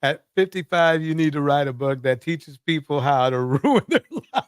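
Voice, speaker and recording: Fairly high-pitched man reacting casually, dry sound. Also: animated, moderate pace, clear, resonant tone, no echo. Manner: chuckling, repeats himself for emphasis. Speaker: reaction show host. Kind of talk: casual live reaction commentary.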